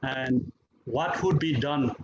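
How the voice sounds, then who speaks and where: A man's voice: mid-range voice, slow pace, a crowd in the background. A man moderating a virtual conference, reading out audience questions hesitantly. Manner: hesitant, searching for names. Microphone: video call. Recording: dull video call audio with faint noise.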